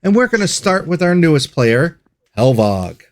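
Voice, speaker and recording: A man's voice: on the high side, big pitch swings, normal speed, dry recording. Man running a tabletop game, dry close mic. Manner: rambling, self-correcting descriptions. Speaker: game master. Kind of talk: narrating a tabletop game session.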